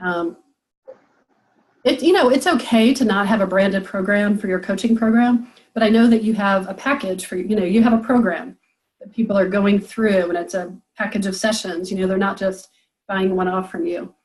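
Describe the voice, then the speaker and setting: A woman's voice: medium pitch, normal speed, low-quality recording. A woman business coach leading a group coaching call, encouraging and thinking aloud with frequent fillers.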